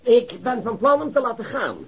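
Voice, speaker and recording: A man's voice: very high voice, normal speed, fairly bright tone, breathy edge, heavily acted. A man acting a confident, insistent police detective in a Dutch radio drama, with a businesslike manner. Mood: brisk, determined. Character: brisk, confident male police detective questioning and plotting. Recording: dull, lo-fi radio drama recording.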